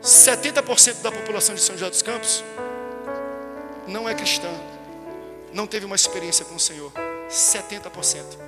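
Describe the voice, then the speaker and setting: A man's voice: high voice, a little fast, long pauses, big-room sound, over loud music. A man with a Brazilian Portuguese accent, a pastor telling a story and preaching a sermon that builds to impassioned peaks. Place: large church hall.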